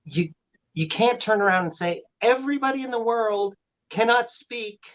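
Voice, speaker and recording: A woman's voice: fairly high pitch, animated, normal speed, dull audio. A trans woman guest on a casual podcast chat, blunt and opinionated. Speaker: guest, trans support group leader.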